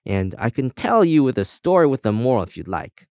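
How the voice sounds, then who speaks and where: A man's voice: medium pitch, sing-song, fairly quick, a little mellow, dry recording. A man voicing a chatty, cheerful female compass in a children's audiobook, with breezy, boastful colloquial talk. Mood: proud.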